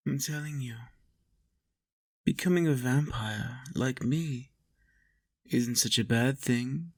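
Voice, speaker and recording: A man playing a possessive, doting vampire master in an intimate roleplay monologue, coaxing and teasing with soft menace. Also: medium pitch, creaky.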